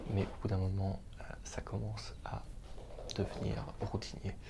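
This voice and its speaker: A man speaks in a soft-spoken way. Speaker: ASMR creator. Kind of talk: casual talk to camera.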